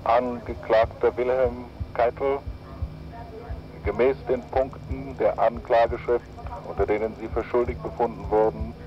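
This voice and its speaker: A man serving as court interpreter reads out court sentences in a measured, solemn official manner, heard as old archival newsreel-style audio. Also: medium pitch, level tone. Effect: old archival newsreel-style broadcast audio. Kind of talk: formal reading of court sentences. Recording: dull lo-fi archive recording with faint music.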